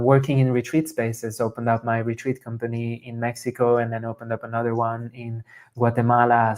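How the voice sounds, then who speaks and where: Guest, male, 30s, from Slovenia; earnest and steady, with little pitch movement. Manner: steady, earnest, even-toned. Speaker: guest, somatic coach. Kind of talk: storytelling in an interview.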